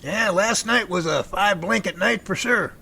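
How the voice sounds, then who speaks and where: A man's voice: sits high, moderate pace, vocal fry, sharp tone, slightly rough, full character voice. A man playing a genial, folksy older professor in an amateur audio drama.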